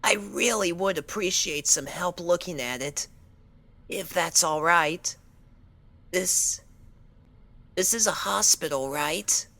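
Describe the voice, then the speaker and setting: In a dramatized fan fiction reading, a woman voices a timid, injured young female pony, sounding meek, hesitant, and anxiously pleading. Her lowish voice is pushed, bright, and exaggerated, slow and full of frequent pauses.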